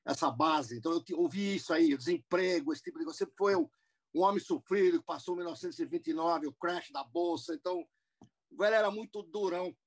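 A man's voice: a little high, expressive, quick pace, husky. An older man in his seventies, born in the United States, recounts his life at length on a video call. His slightly raised voice wanders through asides and restarts as he talks from a room at home. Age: 70s. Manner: rambling, with many restarts and asides. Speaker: guest businessman. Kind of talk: interview, telling his life story.

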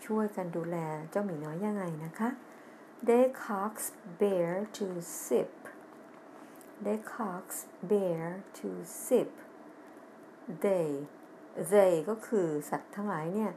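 A middle-aged woman teaching English on TV speaks with a Thai accent and a medium-pitched voice, against slight background noise. Reading a children's story line by line, she delivers the English slowly and loudly, spells the words out letter by letter, and then explains them rapidly in Thai.

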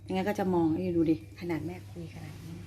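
A woman's voice: lowish voice, fairly even intonation, quick pace, dark tone, soft background music. A woman pet vlogger chatting casually and teasingly to her sleeping dog, often amused.

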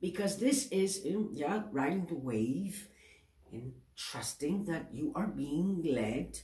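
At an indoor table, a Greek-accented tarot reader in her forties addresses the camera chattily, correcting herself and frequently checking on the viewer. She takes things slowly in a low, mellow, animated voice, and the room sounds roomy.

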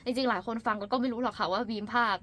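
A young woman, a voice actress and video creator, chatting quickly and giggling as an interview guest. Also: fairly high pitch, fairly bright tone, a little hiss or hum. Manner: fast-talking, giggly. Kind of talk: casual interview chat.

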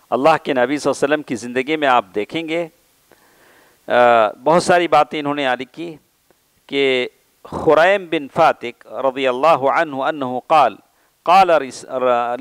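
This is a man speaking with an Indian Urdu accent, teaching a religious class to a gathering. His voice sits a little high for a man, and the sound is dry and close, with almost no room echo. He keeps asking his listeners questions and then answers them himself. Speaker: Islamic scholar giving a lecture. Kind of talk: religious lecture. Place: mosque or lecture hall.

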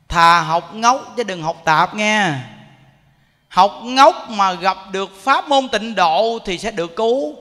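A monk's high, pushed, bright voice fills a temple hall with echo as he teaches. He tells a story during his Buddhist sermon, often turning questions to his listeners.

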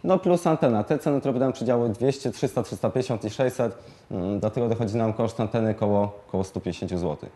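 Mellow-voiced young man explaining, haltingly. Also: on the low side, faint music behind. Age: 20s. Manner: halting, hesitant delivery with frequent fillers and repeated words. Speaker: CB radio shop expert. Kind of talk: explanatory product tutorial, unscripted. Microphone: lapel mic.

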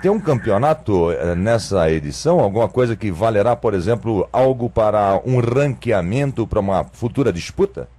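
A man's voice: fairly low pitch, lively intonation, moderate pace, few pauses, dark tone, no room sound. A man with a Brazilian Portuguese accent hosting a radio interview, chatty with jokey asides. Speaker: radio host.

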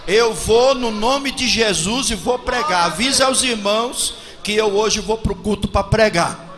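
Man, 40s, from Brazil, preacher at a pulpit, hushed storytelling turning to shouted praise, long church-hall echo. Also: high voice, unhurried, a crowd in the background. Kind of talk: Pentecostal sermon with testimony. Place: large church hall with congregation. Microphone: handheld microphone at a pulpit. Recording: long church-hall reverb, faint noise.

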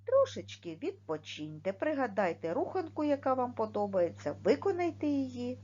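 A woman teaching a video lesson for young children, speaking clearly and stressing each word and sound. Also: fairly high pitch, big pitch swings, mellow, lo-fi sound. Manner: slow, clearly articulated, stressing words and sounds. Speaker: primary school teacher.

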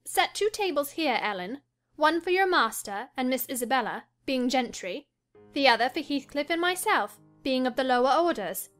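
A woman voicing an excitable, headstrong young wife in a dramatised classic novel reading. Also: sits high, moderate pace, soft background music, pitched above the performer's own voice. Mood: eager, teasing. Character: excitable, headstrong young married lady, breathlessly joyful.

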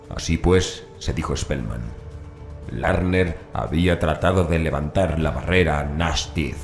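A man's voice: sits low, darkish tone. A man reading a scripted horror story as an audiobook narrator. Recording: roomy echo with faint music. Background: background music.

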